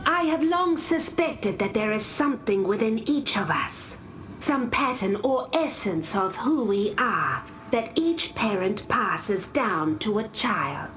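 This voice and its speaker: A woman playing a solemn, discreet tribal warrior in a video game, speaking gravely and deliberately. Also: medium pitch, animated, slight background noise, rough recording. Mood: guarded, thoughtful. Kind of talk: video game character dialogue. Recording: loud music behind the voice.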